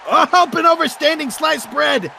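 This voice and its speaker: A man with a high voice calls a wrestling match live. He is an excitable commentator who leans into dramatic exclamations. There is some noise behind him. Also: measured pace, gravelly.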